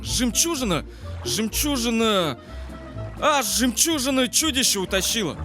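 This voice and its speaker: A man voicing an adventurous, excitable and boastful young boy hero in a cartoon, with dramatic exclamatory delivery. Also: extremely high pitch, measured pace, full character voice. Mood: boastful, evasive. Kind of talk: animated fairy-tale adventure acting. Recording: music behind the voice.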